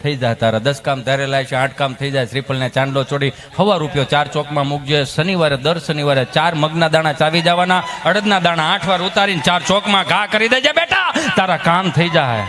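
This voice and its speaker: A man's voice: fairly high pitch, fairly quick, few pauses, a crowd in the background. A male comedian with a Kathiyawadi accent, telling rambling, anecdotal stories in a live folk stand-up show. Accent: Kathiyawadi Gujarati.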